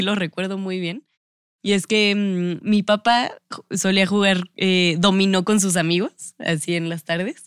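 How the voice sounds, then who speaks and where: This woman speaks with a Mexican accent at a moderate pace and a medium pitch. The recording is very clean and dry, close with no echo and a silent background. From Mexico. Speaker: student activist. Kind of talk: casual interview.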